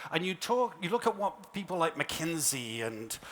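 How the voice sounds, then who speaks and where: Noticeable background noise behind a man talking fairly quickly. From UK. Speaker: tech company product strategist. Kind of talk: conference keynote. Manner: conversational, animated.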